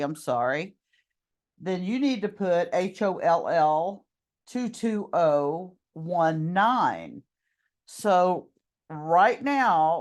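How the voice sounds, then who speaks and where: A middle-aged woman teacher whose voice is giving out walks her class slowly through each step of a screen-recorded tutorial. Her voice is on the low side.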